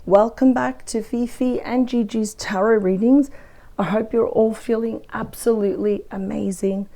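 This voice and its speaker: A woman with a weak, croaky voice from a cold, chatting through a weekly tarot reading. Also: a little high, fairly even intonation, normal speed, dark tone. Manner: chatty, thinks aloud over the cards. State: hoarse from a cold. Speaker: tarot reader. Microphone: close microphone.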